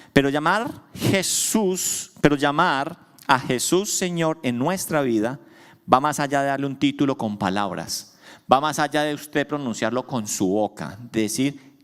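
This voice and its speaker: A man pastor preaching a sermon, asking his congregation questions and answering them himself with emphasis. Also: fairly high pitch. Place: church hall. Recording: long church hall reverb.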